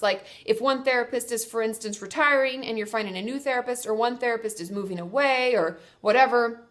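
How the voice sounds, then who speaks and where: In a relaxed vlog, a young woman therapist with a blocked nose responds to viewers' questions, chatty and comforting while correcting herself along the way. Her voice is a little high with a fairly bright tone.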